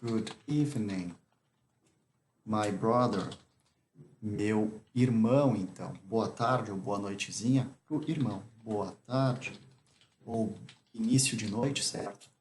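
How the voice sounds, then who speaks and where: A man teaching English in Portuguese, explaining greetings and slowly repeating each example phrase. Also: on the low side, darkish tone, a little hiss or hum.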